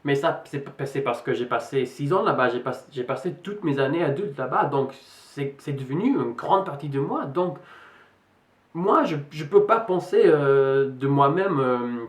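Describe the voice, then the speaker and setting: A young English man talks to camera in French, his English accent shading a little American. He hesitates often, circling back with fillers and restarts, and his voice sits at an ordinary pitch in a noticeably echoey room. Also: expressive, normal speed. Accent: English speaker in French, slightly American-tinged. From England. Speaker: vlogger. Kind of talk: casual vlog talk to camera. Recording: roomy echo.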